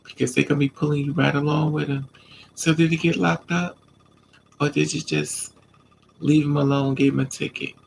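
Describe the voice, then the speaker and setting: Stuffy-nosed from a cold that's coming on, a man with a slightly high, gravelly voice chats at a normal speed on a live stream, relaxed and answering viewers' comments. A little hiss or hum sits under the audio.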